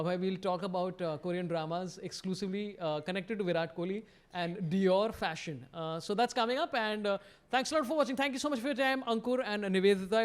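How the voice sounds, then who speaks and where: A man hosting a casual comedy podcast, joking and rambling with quick asides. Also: sits high, clean tone. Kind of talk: casual chat.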